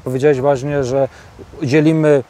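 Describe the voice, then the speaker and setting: A man hosting a casual interview outdoors in a farm field, talking in a halting way with many filler sounds. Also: medium pitch, fairly even intonation, warm tone, slight background noise. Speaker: host.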